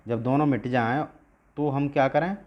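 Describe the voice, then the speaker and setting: A man teaching a lesson at a board, speaking in a steady mid-range voice. He poses questions to his listeners and then answers them himself. He stretches out single sounds slowly to demonstrate how each one is pronounced. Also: mid-range voice, highs cut off.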